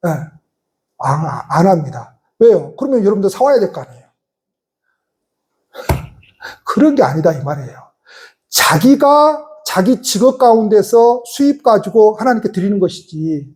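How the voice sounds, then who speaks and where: A middle-aged male pastor preaches in a high but dark, mellow voice. He keeps it conversational, firing rhetorical questions at the congregation and voicing people's grumbling thoughts. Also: very animated, moderate pace, long pauses. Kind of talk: sermon.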